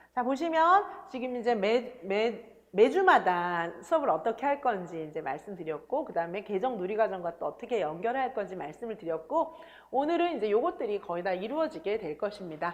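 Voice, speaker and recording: The background stays quiet. Meanwhile, the voice swings across a very wide pitch range. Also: woman, fairly high pitch for a woman. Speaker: exam prep lecturer. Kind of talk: online lecture. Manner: fast.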